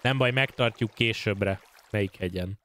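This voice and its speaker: A Hungarian man casually commenting on his own gameplay, excitable and prone to swearing and yelping at in-game scares. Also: on the low side. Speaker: gaming streamer. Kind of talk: casual let's-play commentary.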